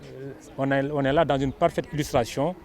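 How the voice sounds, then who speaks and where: A man's voice: mid-range voice, fairly even intonation, brisk, vocal fry, a little mellow. A man with a Senegalese accent giving an explanatory interview statement as an event organizer, repeating phrases for emphasis.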